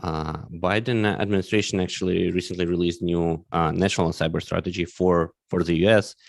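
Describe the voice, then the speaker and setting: A man's voice: low-pitched, fairly even intonation, a little fast, gravelly, no echo, studio quality. A man hosting a podcast, asking questions casually and hesitantly, with many ums and uhs. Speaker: podcast host, interviewer.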